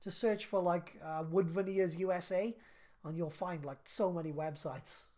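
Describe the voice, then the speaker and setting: A man in his thirties on a live stream, reading out viewer questions and answering them in a relaxed, chatty way with lots of fillers. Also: high-pitched, normal speed. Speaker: craft business live streamer.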